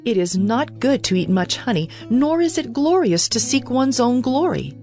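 A woman's voice: on the high side, very animated, normal speed. A woman reading scripture aloud as the narrator of a dramatized audio Bible. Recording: soft guitar bed under the voice. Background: plucked guitar music.

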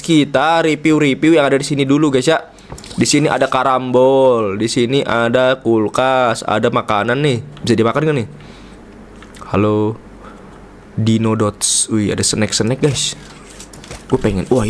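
A man from Indonesia, playful and chatty, giving casual live commentary while streaming a game and constantly calling out to viewers. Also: medium pitch. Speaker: gaming streamer.

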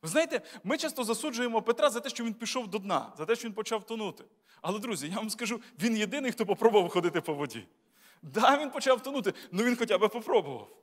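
High-voiced man preaching in a reverberant church. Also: animated, fast talker. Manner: conversational preaching with rhetorical questions to the congregation; lightly humorous, tells jokes. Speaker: bishop preaching. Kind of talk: sermon. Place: church sanctuary.

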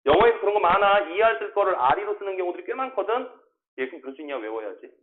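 Male English tutor, high animated voice, drills words and asks quick checks, tinny phone-like classroom recording. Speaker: English academy teacher. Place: small classroom.

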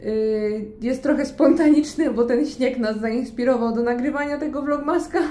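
Walking outdoors on snowy city streets under an umbrella, a woman in her thirties from Poland vlogs into an arm's-length phone in a chatty, playful, self-ironic way. Her voice sits high with a dark tone and a normal speed, and faint street noise and passing cars can be heard.

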